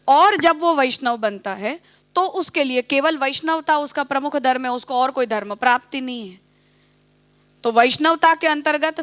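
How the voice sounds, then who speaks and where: A woman teaching in a measured, explanatory devotional discourse, often mixing English terms into her talk. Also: high voice, fairly bright tone, no room sound. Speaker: religious teacher.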